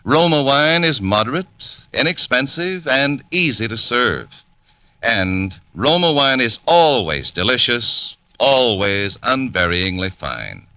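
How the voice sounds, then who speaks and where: A man's voice: medium pitch, sing-song, slow pace, sharp tone, no room sound. A man announcing a wine advertisement in polished, emphatic 1940s radio style. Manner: polished, emphatic salesman's delivery. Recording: dry old radio broadcast.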